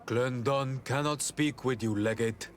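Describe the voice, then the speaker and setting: A man's voice: mid-range voice, steady tone, a little slow, slight background noise, natural voice. A man playing a stern, dutiful tribal gatekeeper in a video game, formal and unyielding yet respectful. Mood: firm. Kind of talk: video game cutscene acting.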